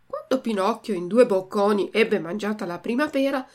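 A woman's voice: medium pitch, animated, moderate pace, a little mellow. A woman reading a story aloud expressively, then reading out a vocabulary list as a teacher. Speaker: reader and language teacher.

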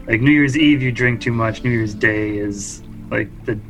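Tabletop player: a relaxed, chatty man with a mid-range voice. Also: medium pitch, moderate pace, faint music behind, low-quality recording. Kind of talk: casual chat at the game table.

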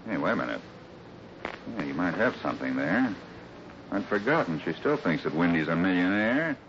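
An actor playing a steady, fatherly cowboy foreman with an American accent, in 1950s radio adventure style. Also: low voice, moderate pace. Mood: thoughtful. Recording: noisy, dull 1950s radio recording.

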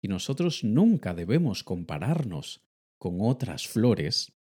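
Emphatic low-voiced man giving a pep talk. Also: slow pace, slightly rough. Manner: emphatic and animated, with sudden loud outbursts and quiet asides. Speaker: motivational speaker. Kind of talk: personal motivational monologue.

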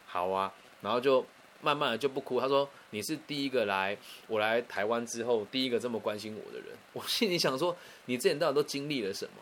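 Man, Taiwanese Mandarin accent, quick casual storytelling, chatty with restarts, faint background hiss. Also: medium pitch. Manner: chatty, animated, frequent restarts and asides.

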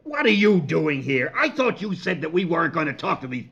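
A man's voice: fairly high pitch, big pitch swings, fairly quick, vocal fry, bright, forceful tone, breathy edge, exaggerated voice. A man playing a blustering, indignant, baffled husband in 1950s radio comedy, with a huffy, protesting manner. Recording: dull vintage 1950s radio recording.

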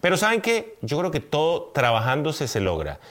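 A man's voice: on the high side, huge pitch swings, moderate pace, a bit bright. Man podcast co-host, conversational, earnest, casual couple chat. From Colombia. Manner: earnest, conversational, with filler hesitations.

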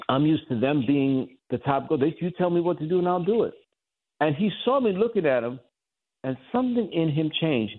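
A man, a guest on a radio talk show, telling a story with lively acted-out voices. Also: a little high. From New York. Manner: animated storyteller acting out voices of others. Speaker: guest author. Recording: tinny phone line.

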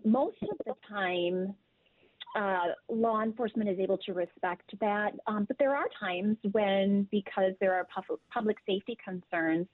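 Mulher explicativa em linha abafada. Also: female voice, mid-range voice, no echo. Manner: measured, informative, with fillers. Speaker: victim services professional guest. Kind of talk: explanatory interview answer. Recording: dry tinny call audio.

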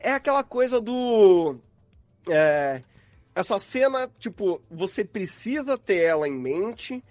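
A man's voice: high-pitched, sing-song, slow, darkish tone, no echo. A Brazilian man explaining things in casual, rambling, slangy conversation, like a guest on a podcast. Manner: informal, rambling, uses slang.

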